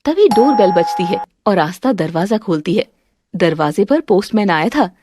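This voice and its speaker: A woman narrating a family drama in a lowered, even storytelling voice. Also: moderate pace, noisy background.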